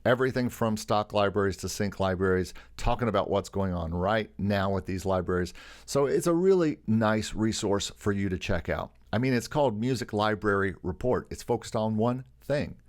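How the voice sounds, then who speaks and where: A middle-aged man with a slightly low voice talks through a music licensing tutorial. His delivery is enthusiastic and salesy, like a friendly carnival barker. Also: moderate pace. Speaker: YouTube host teaching music licensing. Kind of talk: upbeat promotional tutorial.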